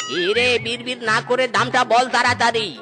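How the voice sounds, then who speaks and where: An actor voicing a miserly, quick-tempered old duck father in a comedy cartoon, scolding and repeating words in exclamations. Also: mid-range voice, little pitch movement, music in the background, crowd noise, natural voice. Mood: irritated, haggling. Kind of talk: Bengali comedy cartoon dialogue.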